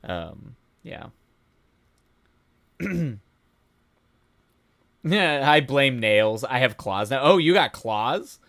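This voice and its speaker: A man hosting a casual live stream, rambling with halting restarts and laughing often, his voice starting to go hoarse. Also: medium pitch, sing-song, fairly bright tone, dry recording, clean studio sound. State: voice going hoarse. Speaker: streamer host.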